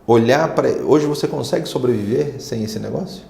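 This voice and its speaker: A man's voice: medium pitch, normal speed, creaky, dark tone, reverberant. A man hosting a casual business interview, chatty and steering his guest with prompts. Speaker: host.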